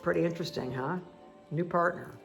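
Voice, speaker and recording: A woman with a croaky voice giving a casual, chatty tarot card reading that speaks directly to the listener. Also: lowish voice, brisk. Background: background music.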